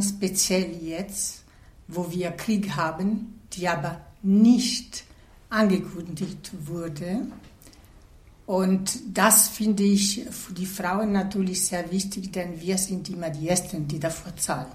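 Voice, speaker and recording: A woman's voice: lowish voice, fairly even intonation, slow, darkish tone. A woman from Italy, introducing herself as an artist with frequent hesitations. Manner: hesitant, with many fillers. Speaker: guest artist. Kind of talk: radio interview self-introduction. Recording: roomy echo.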